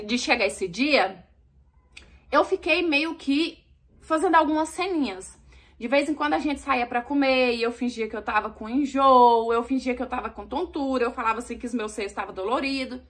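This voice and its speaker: A young Brazilian woman telling a story to her viewers, animated, acting out the dialogue. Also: high voice, moderate pace. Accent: Brazilian Portuguese.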